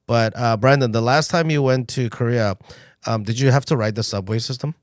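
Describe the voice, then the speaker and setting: A man with a mid-pitched voice hosts a casual podcast chat, animated when telling a story. The recording is dry and close, with no room echo. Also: fairly quick. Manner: animated storytelling, frequent ums. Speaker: podcast host.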